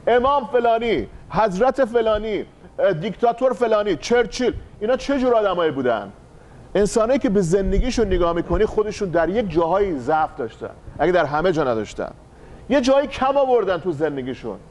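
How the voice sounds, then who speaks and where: A man, a pastor, preaching a lively sermon in a church, calling out praise and speaking straight to the congregation. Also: sits high. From Iran. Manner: animated preaching, rising to shouts of praise.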